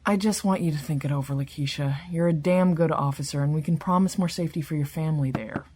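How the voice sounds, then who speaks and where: An actress playing a candid, businesslike senior law enforcement chief in an audio drama. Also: female voice, low voice, fast talker, mellow, slight background noise, lightly acted. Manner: businesslike, frank.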